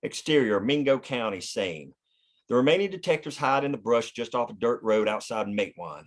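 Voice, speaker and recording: Man reading screenplay directions, medium pitch. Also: animated, normal speed. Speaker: stage-direction narrator. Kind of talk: scripted narration, screenplay table read.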